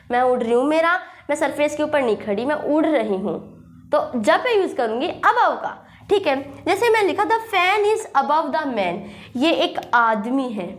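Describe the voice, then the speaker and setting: A young woman, teaching English grammar in a classroom style with a sore throat, repeating points and reading example sentences slowly. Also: sits high. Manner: repetitive, checks understanding with "thik hai". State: sore throat with a slight cough. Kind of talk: classroom lesson, explaining with examples.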